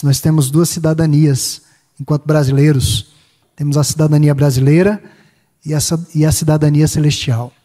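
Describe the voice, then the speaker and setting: Preaching with the lilt of Minas Gerais, this Brazilian pastor has a high, ringing tenor with a touch of mellowness. He lays out slow, listed phrases and lifts his voice to stress what matters most, keeping a measured pace. Long reverb from a big church hall trails behind every line.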